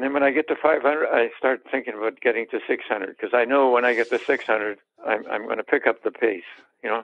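Medium in pitch, a man speaks at a very fast pace. His intonation is fairly even. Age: 80s+. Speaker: masters athlete. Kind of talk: interview. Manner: halting.

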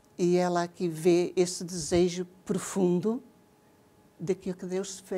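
The woman's tone is dark and mellow. She speaks at a fairly slow pace. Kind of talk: TV interview. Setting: TV studio. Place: studio. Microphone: lapel.

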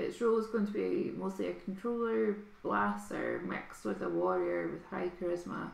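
Noticeable noise fills the background. Over it, a woman speaks at a moderate pace. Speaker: co-host reading chat comments. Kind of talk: casual live stream chat. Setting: live video stream.

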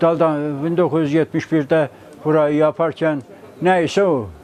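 A man speaks fairly slowly in a fairly high voice. Noticeable background noise runs underneath. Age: 80s+. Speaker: shopkeeper. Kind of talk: interview answer.

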